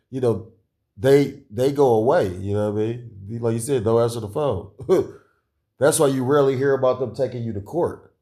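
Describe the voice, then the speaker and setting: A man in casual podcast talk, rambling with many fillers and restarts and chuckling often, with a deep voice. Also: warm tone. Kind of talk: casual conspiratorial chat.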